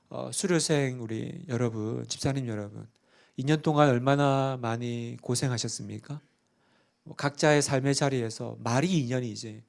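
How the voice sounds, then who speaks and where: A man's voice: medium pitch, gravelly. A middle-aged man, a pastor, preaching a sermon in a church and often putting questions to the congregation. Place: church sanctuary.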